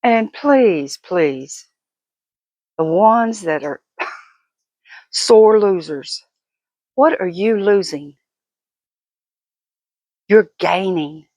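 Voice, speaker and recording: A woman's voice: medium pitch, animated, very slow, long pauses, a little mellow, dry recording. An older woman vlogger talking casually and giving opinions in an emphatic, folksy, fussing manner.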